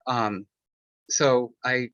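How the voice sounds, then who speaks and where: A man's voice: medium pitch, fairly even intonation, drawn-out words, fairly bright tone, dry recording. A man answering an interview question in a loose, rambling way, with many fillers and restarts, speaking candidly about personal matters. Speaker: author and interview guest. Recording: dull lo-fi, dry sound.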